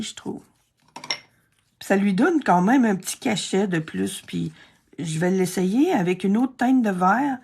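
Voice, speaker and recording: A woman's voice: mid-range voice, gravelly, darkish tone, a little hiss or hum. A Québécois woman chatting and thinking aloud through a card-making tutorial, self-deprecating and chatty. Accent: Québécois French. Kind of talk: casual craft tutorial narration.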